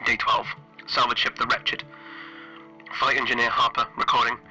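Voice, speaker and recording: A man playing a weary, frightened spaceship engineer in a solo role-playing game, recording a halting, hesitant audio log. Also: mid-range voice, flat delivery, pushed and bright, soft background music, rough recording. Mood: subdued, confessional. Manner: hesitant, halting, broken phrasing.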